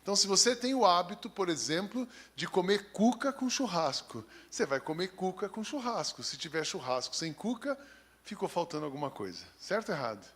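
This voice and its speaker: Paulistano pastor guy, highish voice, reads the bible then jokes around with the church. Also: big pitch swings, fairly quick, fairly bright tone, breathy edge. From São Paulo, Brazil. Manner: reads scripture steadily, then chats in a folksy, joking way. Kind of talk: sermon with scripture reading.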